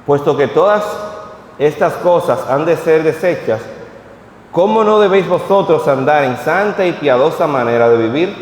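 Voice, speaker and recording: A preacher in his thirties, voice on the high side and animated, reads from scripture at a church vigil before addressing the congregation in plain words. He talks at a normal pace. Long reverb fills the echoey hall, along with a little hiss or hum.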